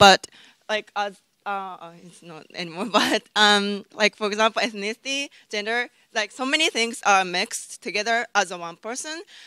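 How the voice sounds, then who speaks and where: Against a quiet background, a woman with a Japanese accent speaks at a moderate pace in a bright, sharp tone, with ordinary pitch variation and big swings in loudness. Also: dry sound with no echo. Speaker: exchange student; panelist. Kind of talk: group presentation. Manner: halting. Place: meeting room. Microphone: handheld.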